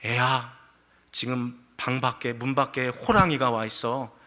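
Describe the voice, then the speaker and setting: A mother from a folktale, softly coaxing a crying baby to be quiet, as a man puts her on. The voice is bright and hushed, gently warning and bribing. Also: mid-range voice, level tone, a little slow.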